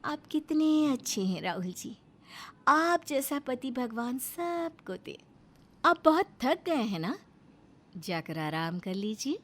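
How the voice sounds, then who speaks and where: A woman's voice: big pitch swings, measured pace, fairly bright tone. Woman doing a bossy young wife. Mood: sweet-talking. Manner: bossy, shrill retorts. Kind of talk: cartoon story voice acting.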